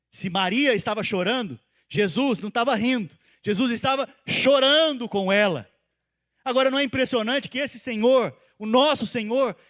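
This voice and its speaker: Male pastor, high voice, sermon, loud emphatic calls dropping to soft asides, quizzes the congregation. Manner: asks the congregation questions and repeats phrases for stress.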